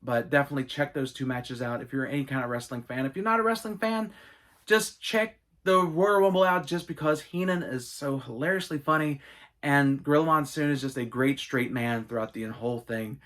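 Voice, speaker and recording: A middle-aged man hosting a casual Q&A video, telling stories with enthusiastic, animated asides. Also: mid-range voice, a little fast. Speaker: gaming and wrestling channel host. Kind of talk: casual Q&A monologue.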